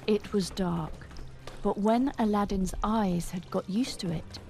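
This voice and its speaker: Slow-paced woman telling a children's story. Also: medium pitch, mellow. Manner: clear, slow, teacherly storytelling. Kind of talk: bilingual children's story narration in English.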